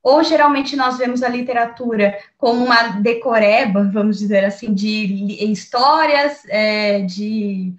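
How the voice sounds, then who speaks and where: A woman's voice: fairly high pitch, steady tone, a little slow, few pauses, echoey room, lo-fi sound. A Brazilian woman teacher talking through her teaching approach in an interview, thoughtful, with many fillers and restarts. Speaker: teacher and researcher, guest. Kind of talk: conversational interview.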